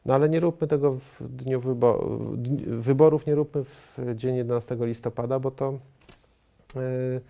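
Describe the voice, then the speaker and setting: A man in his thirties, a studio guest answering interview questions in a measured way, with frequent hesitations and restarts. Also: medium pitch, fairly even intonation, gravelly, mellow. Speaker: studio guest, member of parliament. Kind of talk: political TV interview. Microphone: lapel mic.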